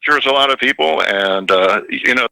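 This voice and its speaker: A man calling in to a radio show over computer headphones, his connection cutting in and out as he talks in halting restarts. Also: medium pitch, expressive, gravelly, sharp tone, no room sound, low-quality recording. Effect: headset connection cutting in and out. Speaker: caller. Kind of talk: call-in radio conversation.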